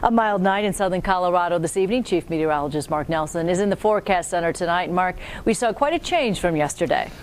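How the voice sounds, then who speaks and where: A woman's voice: animated, fast, hardly any pauses. An American woman anchoring a local newscast in a polished, formal, scripted newsreader delivery. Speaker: TV news anchor. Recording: clear background noise with low rumble.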